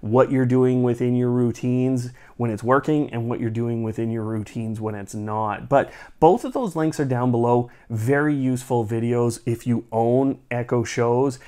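A man's voice: mid-range voice, steady tone, moderate pace, few pauses, warm tone, clean tone. A man in his thirties explaining tech updates to camera as a channel host. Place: small indoor studio room.

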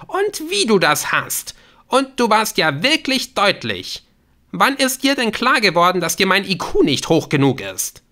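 Audiobook role: wounded young girlfriend, played by a male narrator, raised pitch, forceful, snappy and accusing. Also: expressive, measured pace, heavily acted. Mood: furious, sarcastic. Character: hurt, angry, biting young woman, the girlfriend.

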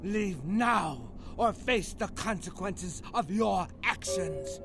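Stern game vampire, high-pitched, measured pace, formal, menacing, faint music behind. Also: male voice, expressive, vocal fry, heavily acted. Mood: stern warning. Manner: formal, slow, menacing warnings. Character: stern male vampire guard, formal and threatening.

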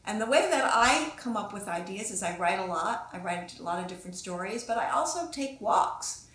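A woman's voice: mid-range voice, expressive, moderate pace, fairly bright tone. A middle-aged woman talking casually to children, encouraging them and musing aloud as she teaches and asks questions. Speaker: children's author and illustrator giving a drawing lesson. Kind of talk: casual instructional talk to children. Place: small indoor room with echo. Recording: echoey room sound.

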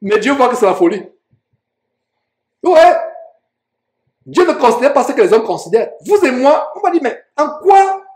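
Man, preacher, high-pitched, emphatic, rhetorical questions, echoey room. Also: sing-song, normal speed, pauses often, darkish tone. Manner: emphatic, rhetorical questions, reads verses aloud. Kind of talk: sermon teaching on Bible verses.

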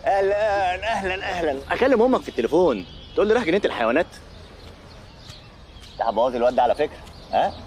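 Rapid-fire cocky Egyptian wisecracker. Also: male voice, high-pitched, lively intonation, darkish tone, slight background noise. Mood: teasing. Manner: teasing, sardonic. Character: cocky, wisecracking tough charmer. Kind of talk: comic screen acting.

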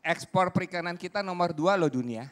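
A man's voice: high-pitched, brisk. Argumentative man pressing with figures. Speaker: panelist. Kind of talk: debate on a talk show.

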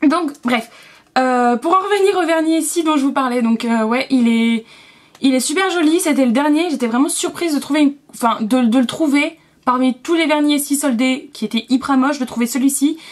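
A young woman chatting casually through a beauty haul, with lots of fillers and quick asides. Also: high voice. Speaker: beauty vlogger.

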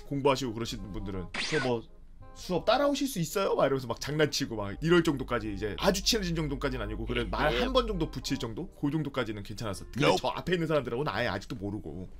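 A young man streaming, telling a funny story from his student days in a casual, animated way, acting out his friends' lines with sudden loud, high bursts. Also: rapid-fire, few pauses, music in the background.

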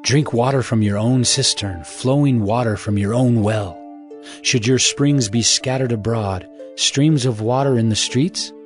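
A man's voice: medium pitch, measured pace. A man giving a dramatized scripture reading as narrator, in a solemn, fatherly, exhorting manner. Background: music.

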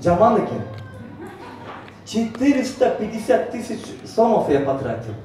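A man's voice: high-pitched, big pitch swings, a little slow. A middle-aged man with a Central Asian accent giving an emphatic, boastful motivational presentation full of rhetorical questions. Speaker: network marketing speaker, senior manager. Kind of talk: motivational presentation, mixing two languages. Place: on stage in a large hotel banquet hall. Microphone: far camera in the audience area. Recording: echoey hotel hall, distant, noisy.

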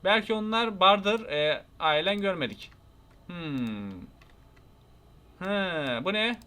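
A young man with a Turkish accent giving casual let's-play commentary, chatty and talking to his viewers, with excitable yelps when startled. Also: high-pitched, slow. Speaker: gaming YouTuber.

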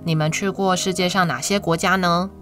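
A woman with a Taiwanese Mandarin accent hosts a children's story show, reading a picture book as if to a toddler in a sing-song way, with drawn-out words and questions to young listeners. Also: fairly low pitch, steady tone. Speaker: children's storytelling podcast host. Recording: music behind the voice. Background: instrumental music.

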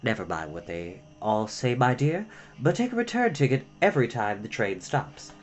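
A woman voicing a fussy older gentleman who speaks in a hushed, confiding way. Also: fairly low pitch, moderate pace, very noisy, natural voice.

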